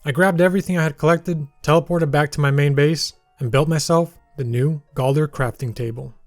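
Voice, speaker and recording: A man's voice: on the high side, a little fast, faint music behind. Dry-humored young man narrating his game. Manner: dry self-deprecating humor, calls himself monotone. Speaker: gaming YouTuber narrating his playthrough. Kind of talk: voice-over narration of gameplay.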